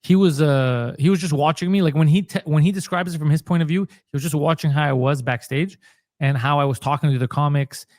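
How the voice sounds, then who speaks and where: The Montreal-born comedian-podcaster, a man, has a slightly high, darkish voice and speaks fairly quickly. He's in a casual interview telling a story and voicing the quoted dialogue, with studio-quality sound and no room ambience.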